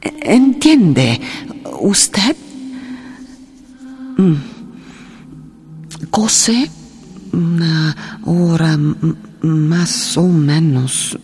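An actress playing an immigrant woman in a radio drama, with a foreign accent and halting, broken Spanish full of searching hums. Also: sits low, lively intonation, darkish tone, slightly rough, heavily acted. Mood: chatty, hesitant. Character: slow, halting immigrant woman explaining recipes and family troubles.

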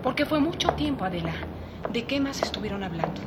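An actress playing a suspicious young domestic worker in a radio drama, with a blunt, accusing manner. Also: female voice, a little high, sing-song, brisk, noisy background. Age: young adult. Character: young live-in maid, suspicious and defiant.

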